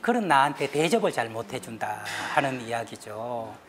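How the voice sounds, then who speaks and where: A woman giving a lively talk show lecture, acting out little scenes and having the panel repeat her lines. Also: very deep voice, moderate pace, background noise. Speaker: guest lecturer on stress.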